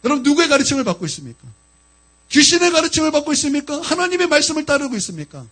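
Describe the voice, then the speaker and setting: A man's voice: very high voice, sing-song, very fast, fairly bright tone. A man preaching a sermon as a pastor, emphatic and often turning to the congregation directly.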